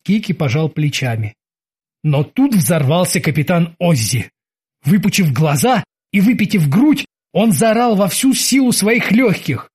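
A man narrating a children's adventure story with a lively, expressive reading. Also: sits high, unhurried, husky. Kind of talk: audiobook reading.

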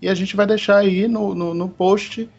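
Chatty Brazilian podcast co-host. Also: male voice, sits high, fairly even intonation, normal speed, vocal fry, husky. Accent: Brazilian Portuguese. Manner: chatty, laughs often, uses casual fillers. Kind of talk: casual podcast banter. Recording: muffled podcast audio with faint music.

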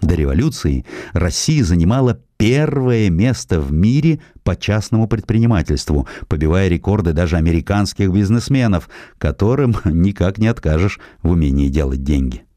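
A man reading a scripted historical narrative as an audiobook narrator, in an expressive, measured storytelling manner. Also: low voice, no room sound.

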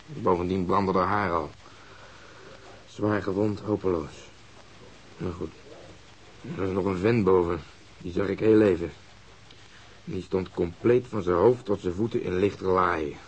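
Male irritable, blunt detective for radio drama, low-pitched voice, gruff and quick to take offence. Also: fairly even intonation, slight background noise, low-quality recording. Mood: grim, recounting. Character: gruff, hot-tempered police inspector who rescued fire victims. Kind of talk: Dutch radio drama acting.

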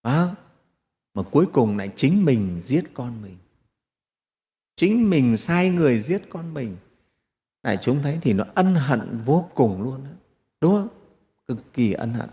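A man's voice: medium pitch, sing-song, a little slow, long pauses, mellow. A man, a Buddhist monk telling a teaching story with rhetorical questions to his congregation. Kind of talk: sermon storytelling. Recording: long hall reverb.

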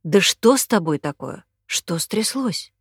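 A woman's voice: lowish voice, expressive, unhurried, husky, no room sound. Woman voicing a worried man, pressing questions, urgent, dry close audiobook sound. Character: grown man, anxious, then menacing.

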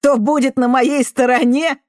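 A woman reading an audiobook voices a desperate young man who answers with bitter sarcasm and often breaks into shouting. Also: low-pitched, expressive, normal speed, no room sound, clean studio sound.

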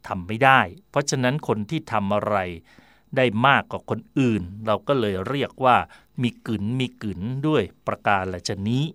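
A man hosting a radio talk slot, chatting in a digressive way about where words come from, with fillers and quick self-corrections. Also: lowish voice, fairly bright tone, no room sound. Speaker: radio host. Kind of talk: explaining word origins in casual talk.

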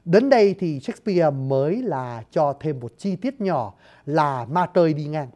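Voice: medium pitch, expressive, measured pace, warm tone. A storyteller explaining a stage play to listeners in a chatty, joking way, often addressing them directly. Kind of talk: lively spoken commentary to listeners.

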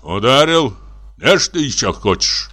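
A man doing a gruff, bullying barber. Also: mid-range voice, very animated, measured pace, pushed and bright, voice pushed up, full character voice. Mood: gruff menacing. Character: rough, menacing male barber.

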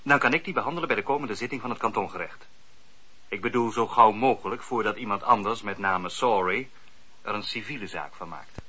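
An actor playing a courteous, calculating magistrate of olden times in a radio drama, speaking in formal, courtly phrases. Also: male voice, lowish voice, brisk, sharp tone, slightly rough. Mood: scheming. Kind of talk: period radio drama acting. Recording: dull, muffled old radio recording.

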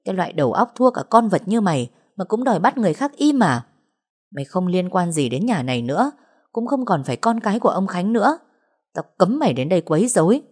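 A woman's voice: sits low, animated, normal speed, dark tone. A woman voicing a tough, protective older woman who scolds harshly. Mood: scolding.

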